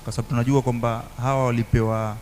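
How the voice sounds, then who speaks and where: Very fast and darkish in tone, this East African-accented man, a native Swahili speaker, keeps his mid-range pitch fairly flat. He speaks earnestly as a talk show panel guest, switching between two languages, with a little hiss or hum in the audio.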